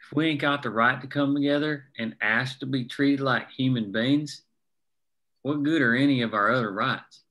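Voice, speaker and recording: An earnest coal miner acted by a man with a bright, mid-pitched voice. He is plain-spoken and persuasive, a folksy working man rallying his crew in a drama table read. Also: normal speed, close to an everyday voice, low-quality recording. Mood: earnest, insistent. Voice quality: folksy rural working-class diction. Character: earnest, resolute male coal miner rallying fellow workers.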